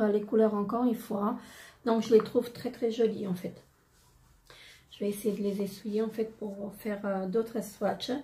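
A woman in her thirties with a slightly hoarse voice, chatting casually through a product haul with many fillers and pauses. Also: a little high, darkish tone. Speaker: beauty vlogger.

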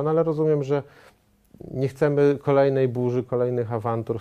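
Guy in his 30s on a tv studio panel, mellow voice, lots of umms and restarts, lapel mic. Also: medium pitch. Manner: measured, with frequent hesitations and restarts. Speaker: studio guest, member of parliament. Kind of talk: political TV interview.

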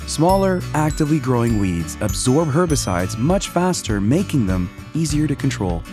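A man giving scripted commercial and explainer narration as a voice-over artist, in a clear, measured announcer delivery. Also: mid-range voice, sing-song, music in the background.

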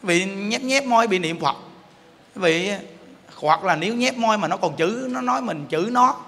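A man giving a Buddhist dharma talk, animated and colloquial, joking with his listeners. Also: high voice, moderate pace. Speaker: Buddhist monk teacher. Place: temple hall. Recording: long hall reverb.

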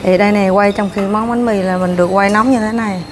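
A woman's voice: mid-range voice, steady tone, fast talker, background noise. Chatty woman touring a buffet. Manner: chatty, narrating while serving herself food. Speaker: food vlogger. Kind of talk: casual walkthrough vlog. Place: hotel breakfast buffet room, indoors. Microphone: clip-on lapel mic. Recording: clinking dishes and cutlery behind.

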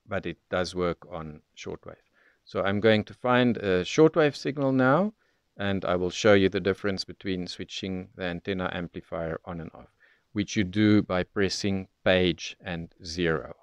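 A man with a low, smooth voice presents an unscripted product demonstration as a radio tutorial host, explaining each step methodically. The recording is dry and lo-fi.

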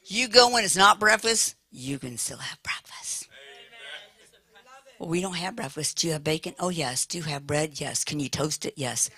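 An older American woman preaching a lively sermon with humor, talking in a big, animated, playful voice. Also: sits low, moderate pace, husky.

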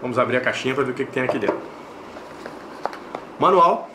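A man's voice: medium pitch, expressive, fairly quick, very noisy. A man with a Brazilian Portuguese accent hosting a casual product review, explaining step by step, repeating himself and checking in with little tag questions. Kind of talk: casual unboxing and review narration.

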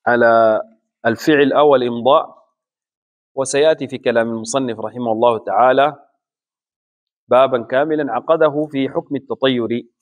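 Male scholar, mid-range voice, unhurried measured delivery for a recorded lesson. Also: medium pitch, highs cut off. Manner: slow deliberate explanation with pauses. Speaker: Islamic scholar teaching a book.

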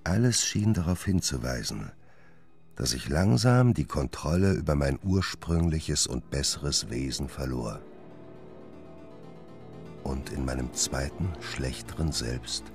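An actor playing a grave, tormented gentleman doctor, delivering a measured, formal confession as a radio play monologue. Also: very deep voice, expressive, faint music behind, heavily acted. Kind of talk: dramatic first-person monologue in German radio play.

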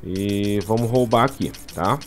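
A man's voice: on the low side, unhurried, soft background music. A man with a Brazilian Portuguese accent giving a casual game walkthrough, chatty and tagging "tá?" onto nearly every phrase. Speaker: gaming channel host. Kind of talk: casual gameplay walkthrough commentary. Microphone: voice-over commentary over game capture.

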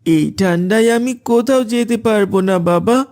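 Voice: mid-range voice, normal speed, a little mellow, close to an everyday voice. An actor voicing a lazy, sleepy boy in a cartoon who brushes others off. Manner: drowsy, dismissive.

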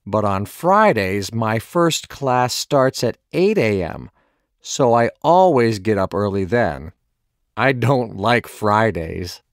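Man, mid pitch, lively intonation, slow clear lesson reading. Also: dry recording, clean studio sound. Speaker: dialogue reader. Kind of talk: scripted language-lesson dialogue.

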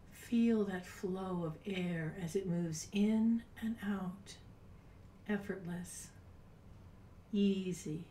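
A woman in her sixties leading a guided meditation in a soft, breathy, unhurried voice with long pauses, at times near a whisper. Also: lowish voice. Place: small home room, indoors. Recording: roomy, distant mic with background noise.

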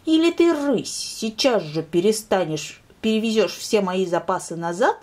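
A woman voicing an earnest, gentle little bear cub in a storybook reading. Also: mid-range voice, very animated, unhurried, slightly rough, heavily acted. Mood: defiant.

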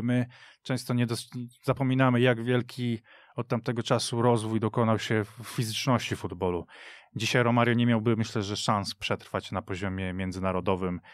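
A man's voice: fairly low pitch, dry recording. A man on a radio football panel, opinionated and talkative in casual studio chat. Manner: opinionated, storytelling. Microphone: studio mic.

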